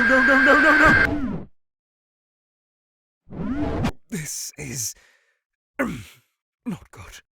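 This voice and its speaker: A man's voice: high voice, creaky, heavily acted. A man voicing a formal, eccentric male monster scientist who murmurs in a whispery, theatrical way and breaks into panicked outbursts. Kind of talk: fan-made ask-series voice acting. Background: music.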